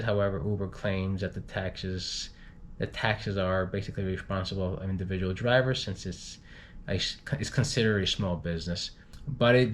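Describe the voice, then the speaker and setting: A man with a fairly low voice reads news updates informally, adding his own comments. He reads haltingly and often repeats words. The recording is noisy, with some low rumble behind him. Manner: halting, stumbles and repeats words while reading. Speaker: news reader for an expat community channel.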